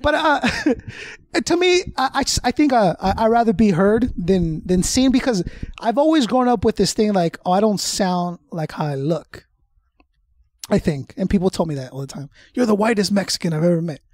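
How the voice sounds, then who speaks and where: A man's voice: high-pitched, animated, moderate pace, darkish tone, no room sound. A man hosting a casual interview, joking and rambling with lots of "right?" and "like". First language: English. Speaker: interview host.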